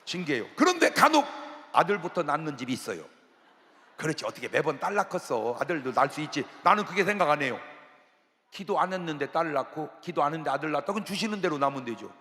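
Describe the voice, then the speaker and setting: A man's voice: a little high, fast. A man preaching a sermon as a pastor, telling stories with humor and acting out the quotes. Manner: humorous, animated storytelling with acted-out quotes. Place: large church sanctuary. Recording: long reverb of a large church hall.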